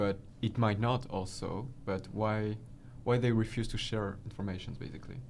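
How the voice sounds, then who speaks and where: With a non-native accent, a man speaks at a fairly low pitch and a moderate pace. His intonation is fairly even, and there is audible room echo. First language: not English. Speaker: student journalist. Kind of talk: roundtable discussion. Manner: halting.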